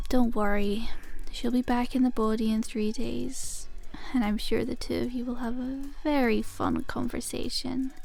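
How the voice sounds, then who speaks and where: A woman playing a playful, possessive werewolf demon girlfriend in an intimate, softly teasing ASMR roleplay. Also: fairly high pitch, creaky.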